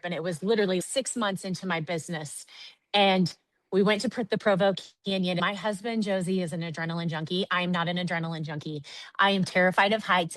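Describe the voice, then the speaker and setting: A woman giving an energetic, chatty sales training talk, often calling her audience "guys". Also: medium pitch, dry recording, poor audio. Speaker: network marketing trainer.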